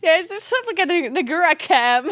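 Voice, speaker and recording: Her voice is very high, a bit bright and lively in intonation, moving a little fast with no echo. She's a South Tyrolean game streamer and esports caster chatting casually in English, a second language spoken with her local accent, and she giggles and laughs a lot.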